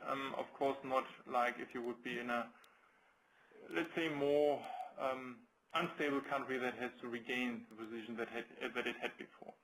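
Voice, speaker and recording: German guy exec on an earnings call, mid pitch, careful and kinda halting, picking his words. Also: fairly even intonation, noisy background. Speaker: company executive presenting results. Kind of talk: answering questions on a business conference call. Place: telephone conference call.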